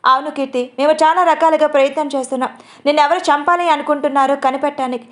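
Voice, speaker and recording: A woman plays a calm young man who explains with quiet worry. The voice stays high and moves quickly. It is an audio story reading. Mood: worried.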